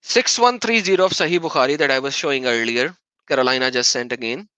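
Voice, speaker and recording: A man's voice: medium pitch, fast, sharp tone, smooth, dry recording, low-quality recording. A man whose native language is Urdu, hosting a heated livestream debate and reading out viewer donations, combative and insistently repeating his point.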